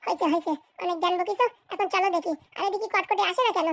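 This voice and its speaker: Bossy scheming cartoon madam, squeaky-high pitch, very fast scolding chatter. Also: fairly even intonation, a bit bright. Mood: impatient. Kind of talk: exaggerated cartoon comedy dialogue.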